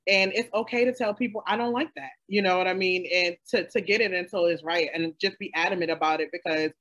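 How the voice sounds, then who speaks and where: A woman who makes audio dramas, talking casually and emphatically on a panel, with animated asides. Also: lowish voice, fast.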